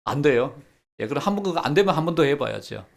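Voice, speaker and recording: Quick-paced and gravelly, this pastor's fairly high voice drives an animated sermon. He performs quoted lines in character and guides the congregation as they practice along.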